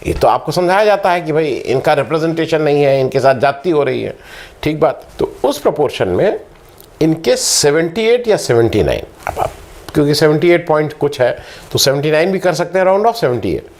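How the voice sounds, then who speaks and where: A man's voice: on the high side, big pitch swings, a little fast, darkish tone. A middle-aged man giving a lecturing talk, reeling off statistics with fillers and restarts. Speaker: political commentator. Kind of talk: explanatory talk to camera.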